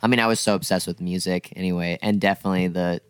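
A band member in his late twenties from Minnesota, with a very low, smooth and resonant voice. He tells stories in a relaxed, unhurried way. The sound is dry, with no room echo. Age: 20s. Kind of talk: casual interview.

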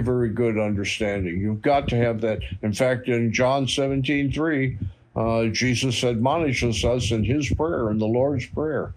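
A man's voice: mid-range voice, a little mellow, slight background noise, poor audio. Hesitant man voicing firm beliefs. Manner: hesitant, many fillers, firm convictions. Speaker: church member giving a testimony. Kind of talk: personal faith testimony.

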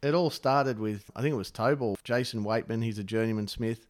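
A man's voice: medium pitch, a little fast. A man co-hosting a podcast, blunt and crude with wry humor, asking casual questions. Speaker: podcast co-host.

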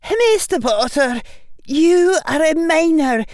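A woman's voice: sits high, lively intonation, slow pace, a little mellow, no room sound, studio quality, voice pushed up. A woman voicing a stern older witch professor with a clipped, scolding manner.

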